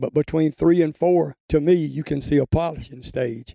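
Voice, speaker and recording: Dark and mellow in tone, a man's fairly high voice moves at a moderate pace with a dry, close sound and no echo. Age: 70s. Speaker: coon hunter. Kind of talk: casual chat.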